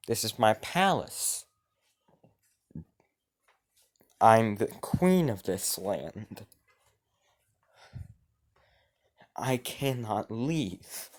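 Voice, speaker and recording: A man voicing an enraged female ghost queen, ranting in a high, strained voice. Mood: nervous, firm. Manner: shrill ranting, shaky at first. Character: furious ghost queen, female, towering, vengeful.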